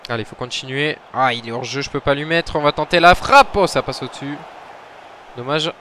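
A man commentating his own football video game match, muttering between plays and shouting when goals go in. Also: mid-range voice, fairly quick, a little hiss or hum. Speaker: gaming commentator.

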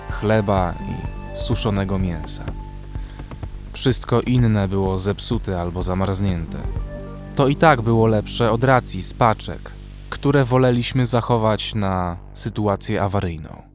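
A man's voice: on the low side, unhurried, darkish tone, lightly acted. A man playing a weary armed survivor who narrates a horror audio drama in the first person. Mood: grim, measured. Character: weary male armed survivor narrating a frozen zombie apocalypse. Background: music bed.

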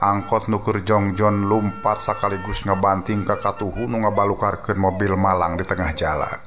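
Sundanese guy doing radio storytelling, lowish voice, dramatic narration, music in the back. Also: flat delivery, moderate pace.

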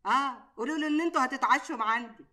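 An actress playing a lively, teasing older aunt in an Egyptian television comedy drama, speaking with an Egyptian accent. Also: female voice, sits high, very fast. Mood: cheerful. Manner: loud, laughing, teasing banter.

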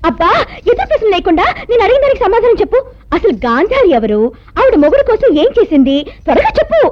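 A high, quick, excitable young wife, naive and dramatic. Her rapid speech comes through a dull film soundtrack with music behind it. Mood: insistent.

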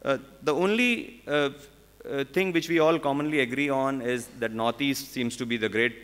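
A man in his forties with an Indian English accent speaks at a conference podium. He talks haltingly, with many "uh"s and restarts. A long reverb from the big hall trails behind his voice. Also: mid-range voice, fairly bright tone, clear, resonant tone. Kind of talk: conference panel talk. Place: large conference hall on stage. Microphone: podium microphone.

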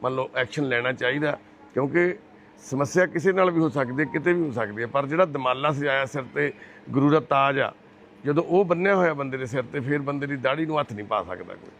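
Fast, gravelly-voiced male reporter. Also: medium pitch, fairly bright tone, a little hiss or hum. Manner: fast, pleading, calls people brother and mother. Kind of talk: street interview.

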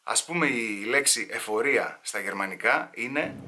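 Male comedian, home storytelling set, bright-toned, chatty and slangy. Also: medium pitch. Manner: animated, slangy, switching into mock voices.

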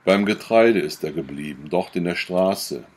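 Old widowed farmer from a storybook, measured and husky; male reader. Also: low voice, expressive, full character voice. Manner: deliberate, measured.

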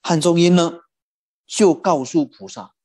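Lively husky-voiced Buddhist teacher. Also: mid-range voice. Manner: animated, drawn-out particles like 哦 and 啊. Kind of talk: storytelling dharma talk.

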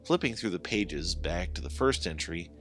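Low-voiced man narrating with swooping pitch. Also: lively intonation, normal speed. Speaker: horror story narrator. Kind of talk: dramatic first-person scripted story narration. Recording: background music under the voice. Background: music.

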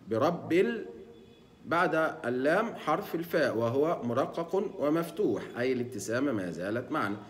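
Man teaching recitation with lively pitch. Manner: demonstrates letter sounds slowly and repeatedly; explanatory, asks himself questions. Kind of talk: tajweed lesson with demonstrations.

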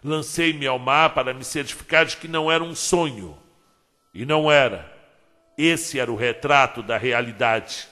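A man reading a short story aloud as narrator, dramatic and emotional, with long pauses. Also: medium pitch. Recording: long hall reverb, soft music behind. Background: soft background music.

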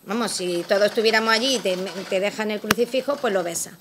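A woman's voice: mid-range voice, fast talker, noisy background. A middle-aged woman with a Spanish accent telling a personal testimony to an audience, repeating words for emphasis. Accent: Spanish from Spain. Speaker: event speaker giving a testimony.

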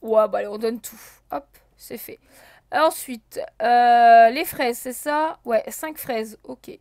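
A woman's voice: fairly high pitch, slow, no room sound, clean studio sound. A woman casually commenting on her gameplay as a let's play host, thinking aloud with many fillers and talking to her viewers. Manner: counts and checks items out loud.

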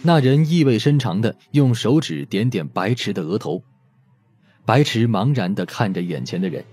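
Animated male audiobook narrator. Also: fairly low pitch, moderate pace, slightly rough. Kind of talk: expressive scripted story narration. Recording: music behind the voice.

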